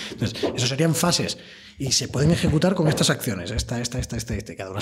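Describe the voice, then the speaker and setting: Very fast, lively-intoned speech over noticeable background noise. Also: man. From Extremadura, Spain (Badajoz). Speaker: sales trainer. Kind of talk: interview. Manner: animated.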